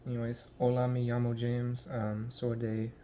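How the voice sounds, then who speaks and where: A young American man from the United States, talking casually in a vlog and haltingly searching for words with many ums. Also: mid-range voice, completely flat delivery, warm tone, a little hiss or hum. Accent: American English. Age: young adult. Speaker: language learner.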